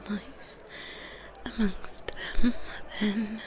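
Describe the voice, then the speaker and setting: A woman's voice: medium pitch, level tone, very slow, darkish tone. A woman voicing a proud, teasing elder female vampire in a whispered ASMR roleplay, soothing yet commanding. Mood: calm, instructive.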